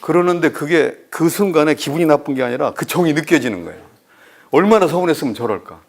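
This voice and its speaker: A man's voice: on the high side, fast talker, vocal fry. A man lectures like a storyteller, swinging his voice widely as he plays every part in his anecdotes. He teases and questions the listeners between the stories, keeping the talk joking and conversational. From Chungcheong, South Korea. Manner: animated storyteller who acts out dialogue and teases the audience. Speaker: university professor lecturing.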